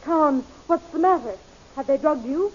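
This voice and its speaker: An actress playing an earnest, anxious young princess in a theatrical 1930s radio serial style. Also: female voice, high voice, animated, moderate pace, darkish tone. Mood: urgent, alarmed. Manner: urgent, theatrical. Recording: muffled, hissy 1930s radio recording.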